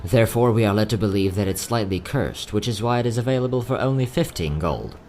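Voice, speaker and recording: A man playing a courteous, quietly sad young travelling merchant in a fantasy audio drama, speaking in polite, theatrical salesman's patter. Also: lowish voice, fast, a little hiss or hum, close to an everyday voice. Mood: wry sales patter. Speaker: voice actor.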